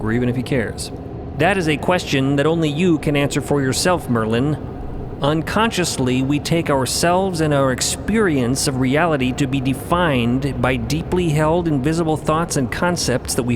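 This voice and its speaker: Solemn philosophical ship mystic, acted by a man, over noise. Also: natural voice. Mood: probing, solemn. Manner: formal, measured, didactic. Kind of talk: audio drama dialogue. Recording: rumbling vehicle-like background noise.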